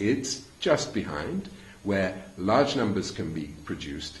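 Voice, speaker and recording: A man's very deep, low voice comes with audible room echo. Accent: British. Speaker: standards organization executive. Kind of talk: interview.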